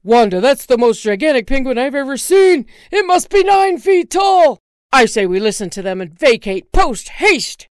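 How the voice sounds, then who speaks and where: A woman's voice: lowish voice, expressive, measured pace, dry recording, clean studio sound. A woman voicing a nervous, complaining middle-aged husband who wants to go home. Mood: fretful. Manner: whiny, complaining, reluctant.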